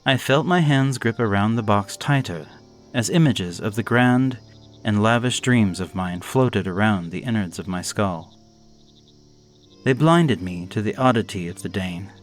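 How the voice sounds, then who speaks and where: Male storyteller for a gothic horror reading: unhurried, melodic delivery over a soft music bed. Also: on the low side. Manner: slow, measured, expressive reading. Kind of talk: scripted horror story narration.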